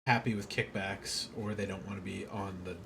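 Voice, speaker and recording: A man's voice: fairly low pitch, steady tone, normal speed. A man streaming a video game, giving casual, rambling, informal commentary. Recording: clear background noise.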